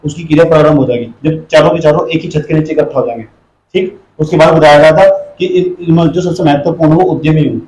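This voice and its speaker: A male teacher giving a classroom lecture, quizzing his students and scolding them to keep quiet. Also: on the high side. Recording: echoey classroom.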